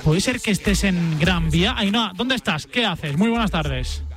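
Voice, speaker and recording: A man hosting a radio show, handing over briskly to a reporter in the field. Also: sits high, expressive, music in the background. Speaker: radio host. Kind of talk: live radio link.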